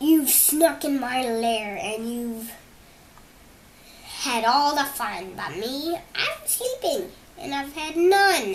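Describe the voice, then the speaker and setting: Delivered at a very slow pace, a put-on character voice growls in a raised, projected tone, with an audible echo around it. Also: woman, high pitch for a woman. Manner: grumbling, menacing.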